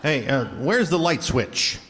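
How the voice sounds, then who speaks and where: A drawling, wisecracking uncle. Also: male voice, fairly high pitch, very animated, unhurried, fairly bright tone. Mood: wry. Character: wisecracking uncle fond of drink. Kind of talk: 1940s radio comedy acting. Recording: reverberant old radio broadcast.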